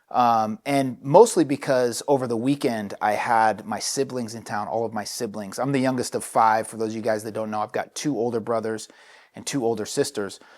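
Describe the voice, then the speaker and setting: A man's normal speaking voice at a moderate pace, with fairly even intonation and big swings in loudness. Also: medium pitch for a man, very clean recording, silent background. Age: 40s. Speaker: vlogger and executive coach. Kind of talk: casual vlog monologue. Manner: relaxed, conversational.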